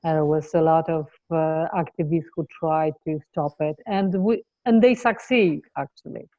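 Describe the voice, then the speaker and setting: A woman from Poland introducing herself on a video call, halting with many fillers. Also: low voice, no room sound. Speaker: participant. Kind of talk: casual self-introduction. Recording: dry tinny phone-like sound.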